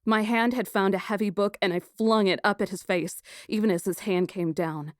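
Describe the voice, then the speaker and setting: A woman narrating a first-person fantasy audiobook in an expressive, dramatic and deliberate storytelling style. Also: mid-range voice, no room sound, studio quality.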